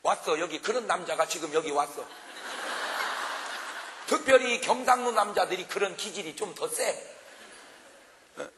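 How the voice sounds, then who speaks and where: A man's voice: high-pitched, a little slow, pauses often, slight background noise. A male pastor preaching a revival sermon to a congregation, joking with them and acting out little scenes as he goes. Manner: animated, jokes and acts out quarrels for the congregation. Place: large church revival meeting. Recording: live hall reverb.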